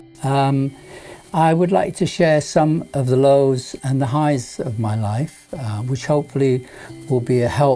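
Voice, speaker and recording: Music plays in the background as a man talks at a fairly slow pace. His pitch is fairly high, with ordinary variation. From northern England, Lake District. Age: 70s. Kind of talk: personal life story monologue. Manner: hesitant, many fillers.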